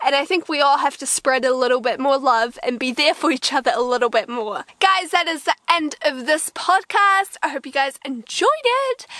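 A woman's raised, projected, high-pitched voice at a moderate pace, with hardly any pauses, lively intonation, and a dry, close sound with no echo. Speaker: podcast host. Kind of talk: podcast monologue.

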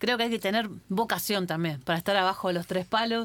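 A woman talks at a fairly quick pace with a medium pitch and fairly even intonation, in an unremarkable speaking voice. The recording is very clean, with a silent background. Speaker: radio host. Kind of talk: casual chat. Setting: studio.

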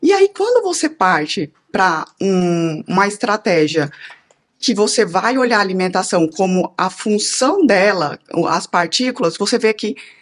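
A woman at medium pitch and a fairly slow pace, in an unremarkable speaking voice. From Brazil, Rondônia. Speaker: physician. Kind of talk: interview.

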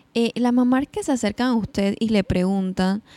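In a very clean recording with a silent background and a dry, close sound free of echo, a woman speaks at a moderate pace in a plain, everyday voice with ordinary pitch variation. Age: 20s. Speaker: podcast host. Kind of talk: interview.

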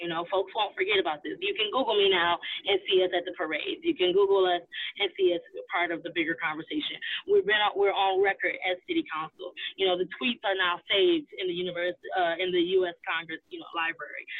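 Using a plain, everyday voice, a woman with an American accent talks at a fairly quick pace and medium pitch with ordinary pitch variation. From Detroit, Michigan. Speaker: PR company co-founder and activist. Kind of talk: casual interview. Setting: in a parked car.

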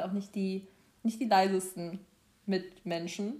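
A woman with a dark, mellow tone keeps her medium-pitched voice fairly even in intonation. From East Berlin. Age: 20s. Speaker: podcast co-host, master's student. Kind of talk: casual chat.

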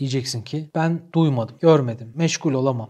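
A male speaker at a moderate pace with ordinary pitch variation. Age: 30s. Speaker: Islamic preacher. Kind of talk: religious talk. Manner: animated.

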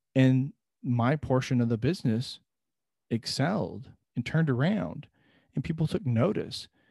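A man speaks at a moderate pace in a somewhat breathy voice with a dark, mellow tone. His speech has long, frequent pauses. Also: medium pitch for a man, very even loudness. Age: 40s. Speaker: podcast host and leadership speaker. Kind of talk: solo motivational monologue. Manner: casual with many fillers.

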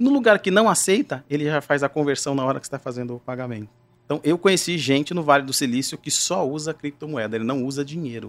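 Talking at a very fast pace, a man keeps a fairly high pitch with ordinary pitch variation. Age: 40s. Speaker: technology executive. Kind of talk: casual interview.

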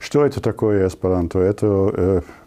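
Through noticeable background noise, a man with a very deep, low pitch speaks at a very slow pace with ordinary pitch variation. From Germany. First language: German and Esperanto (speaking Russian). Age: 60s. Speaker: retired diplomat. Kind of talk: interview answers. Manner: halting, many hesitations.

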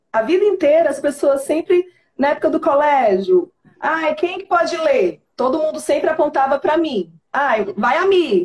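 A woman with a northeastern Brazilian accent speaks at a moderate pace in a high voice, her intonation lively and her loudness very even. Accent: Brazilian Northeastern, marked. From Ceará, Brazil (Fortaleza area). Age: 30s. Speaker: voice-over artist. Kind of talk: casual interview.

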